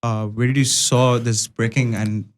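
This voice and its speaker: A man's voice: medium pitch, little pitch movement, unhurried. A man with a Pakistani accent hosting a casual chat, mixing Hindi and English and repeating short phrases. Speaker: podcast host.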